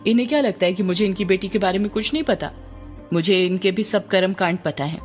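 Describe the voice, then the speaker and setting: A woman's voice: medium pitch, fairly quick, faint music behind, natural voice. A woman voicing a sly, boastful police constable who grumbles to himself and gets flustered. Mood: smug.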